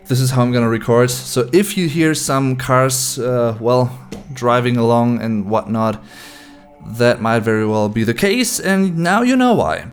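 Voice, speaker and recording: A man's voice: medium pitch, smooth. A man in his late twenties from Germany, a native German speaker with a German accent, chatting casually to camera as a YouTube host and mixing German words into his English. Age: late 20s.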